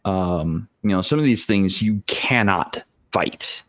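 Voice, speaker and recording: Low, dry-sounding man, halting delivery. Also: fairly bright tone, dry recording. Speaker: tabletop gaming show host. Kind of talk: casual discussion, explaining game ideas.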